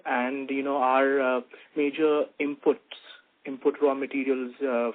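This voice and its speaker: A male investor on a tinny, narrow phone line with a mid-pitched voice. He politely lays out his questions in halting phrases, as on a company conference call. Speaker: investor caller asking questions.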